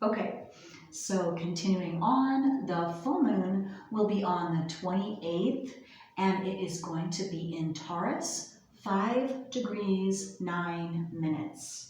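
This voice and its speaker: At a very slow pace, a woman with a medium-pitched voice speaks amid audible room echo and noticeable background noise. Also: ordinary pitch variation. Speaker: astrology reader. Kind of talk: astrology reading monologue.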